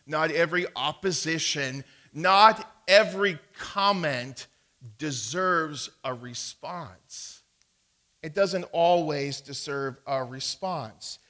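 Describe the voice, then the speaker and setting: A man preaches a sermon as a pastor, telling a personal story in a folksy way and reading out Bible verses. His voice is fairly high, bright and forceful, and his storytelling is deliberate, with repeated references to verses.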